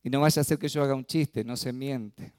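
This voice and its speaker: Expressive pastor, smooth voice. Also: male voice, mid-range voice, moderate pace, no echo, clean studio sound. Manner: expressive preaching, acting out quoted voices. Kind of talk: sermon.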